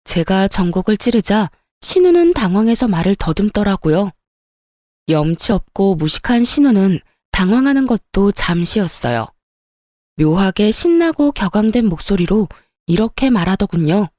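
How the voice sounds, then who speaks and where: A woman's voice: medium pitch, sing-song, moderate pace, warm tone, dry recording, clean studio sound. A woman narrating a real-life story in a confiding, indignant storytelling manner.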